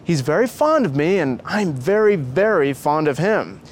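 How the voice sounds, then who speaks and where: A man's voice: a little high, sing-song, moderate pace, slight background noise. A man voicing an earnest, pious young man in a story, reassuring and persuasive as he preaches. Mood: calm, persuasive.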